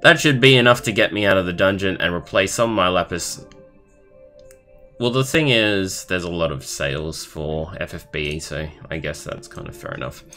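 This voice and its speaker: A young man live streaming, reading a story aloud in a halting way and adding casual comments of his own. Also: low voice, sharp tone. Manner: halting, stumbling over words while reading. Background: background music.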